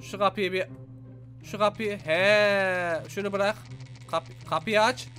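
A young man giving excited let's-play commentary, exclaiming and talking to his viewers as he plays. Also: sits high, slow. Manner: animated, exclaims and talks to viewers. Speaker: gaming YouTuber. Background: faint game music.

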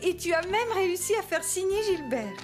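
A woman playing a loving, gentle mother in a French children's cartoon, expressive and affectionate. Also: very high-pitched, normal speed. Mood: delighted. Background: background music.

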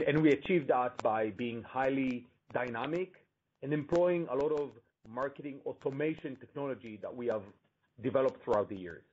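A male company executive giving measured, explanatory answers on an earnings call. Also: mid-range voice, darkish tone. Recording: muffled, noisy conference call line with clicks.

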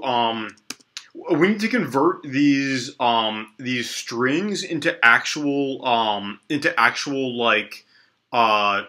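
A young man talks through a coding tutorial from a small room, his voice slightly stuffy from allergies. His tone is bright and forward. He thinks out loud, stumbling and restarting with plenty of ums. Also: medium pitch. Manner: relaxed, lots of ums and restarts, thinks aloud while typing. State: congested from allergies, sniffling. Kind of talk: casual screen-recorded coding tutorial. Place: small indoor room at a desk.

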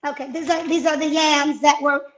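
A woman in her fifties on a video call from her home kitchen, giving healthy eating tips in an energetic, coaching way. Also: high-pitched, fairly quick, roomy sound. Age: 50s. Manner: energetic, coaching, emphatic repetitions. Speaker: fitness and nutrition guest. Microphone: wireless earbuds on a video call.

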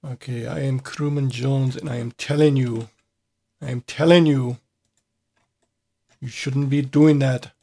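A man plays a stern crewman, a grown man in uniform who scolds in a weird fake accent. The voice sits at a middle pitch and is delivered mock-seriously, like a quick bit of cartoon-style fun. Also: fairly even intonation, vocal fry, warm tone, husky. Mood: scolding.

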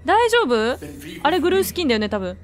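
A woman plays a horror game as a let's play gamer, commenting as she goes in a jittery, jokey way and bursting into frightened shrieks. Her voice sits high and is very animated and fast. There's slight background noise and faint game music.

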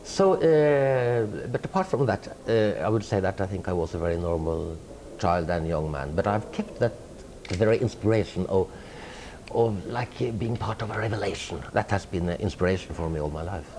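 A middle-aged interviewed writer from Norway talks in a low-pitched voice at a moderate pace, with a Norwegian accent and slight background noise. His answers are thoughtful but full of hesitations, fillers and restarts, accompanied by animated hand gestures, in an indoor room hung with a tapestry.

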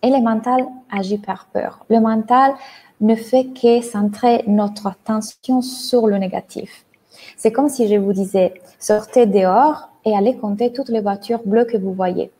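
A woman in her thirties speaks French with an Italian accent, explaining ideas to a live online audience with lively energy. Her tone is mellow and a little husky. She is heard through an earphone mic on a video call from a room at home. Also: fairly high pitch, measured pace. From Italy. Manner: lively, gestures a lot with her hands while explaining. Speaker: mindset coach and hypnotherapist. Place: bright room at home, indoors. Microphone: earphone headset mic on a video call.

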